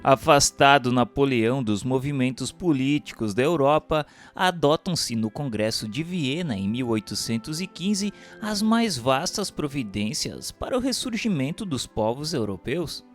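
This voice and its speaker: A man's voice: mid-range voice, animated, unhurried, few pauses. A man reads a scripted book narration in a solemn, formal manner with emphatic phrasing. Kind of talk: scripted audiobook-style narration of a book chapter. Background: music under the voice.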